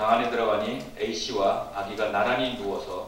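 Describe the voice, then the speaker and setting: Audible room echo and light background noise surround a man's voice. He speaks at a fairly slow pace with ordinary pitch variation. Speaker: politician. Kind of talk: political speech. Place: meeting room.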